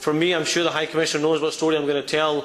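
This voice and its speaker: A man speaks at a fairly high pitch with monotone, flat intonation over noticeable background noise. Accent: Scottish. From Scotland, Glasgow. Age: 20s. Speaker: politician. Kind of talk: speech.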